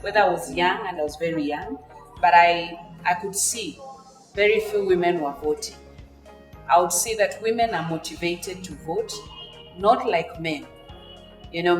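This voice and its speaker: Lowish-voiced woman, echoey room. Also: measured pace. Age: middle-aged. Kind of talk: reflective documentary interview. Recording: echoey room, music behind.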